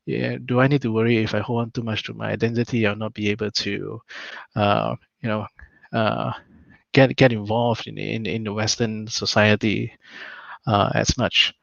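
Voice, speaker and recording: A young man, thoughtfully sharing his experience in a casual discussion, often pausing on "uh". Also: on the low side, steady tone, creaky, no room sound. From Malaysia. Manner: thoughtful, frequent "uh" hesitations. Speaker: panel guest. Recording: dull lo-fi dry sound.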